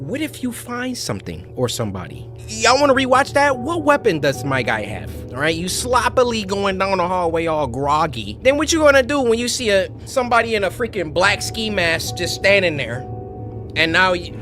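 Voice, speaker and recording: A man's voice: high-pitched, very animated, moderate pace, over music. A man hosting a horror video reaction show, talking casually and jokingly to his viewers in slangy, exclamatory commentary.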